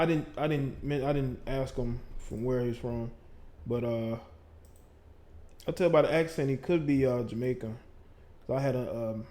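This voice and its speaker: A man's voice: mid-range voice, warm tone. A man hosting a live call-in stream, laid-back and affirming callers. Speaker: livestream call-in host. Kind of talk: casual live call-in chat.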